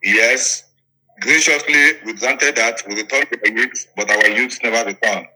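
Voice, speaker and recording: At normal speed and in a sharp, mid-range voice, a politician with a Nigerian accent narrates his story in an interview. He is emphatic, repeating phrases and checking that his listener follows. The audio is poor.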